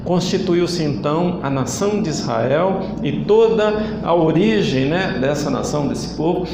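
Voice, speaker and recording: A man's voice: a little high, lively intonation, creaky, roomy sound, noisy background. A man from Brazil with a Brazilian Portuguese accent, preaching an online sermon as church leader and calling for answers from the congregation. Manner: slow, emphatic preaching with call-and-response. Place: church hall.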